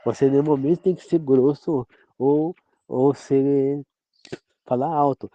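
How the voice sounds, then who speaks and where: A man's voice: medium pitch, fairly even intonation, takes it slowly, no echo. A man from Brazil giving an informal, rambling sermon-style talk as a preacher, often checking "entendeu?" with his listeners. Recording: dull, dry, lo-fi sound.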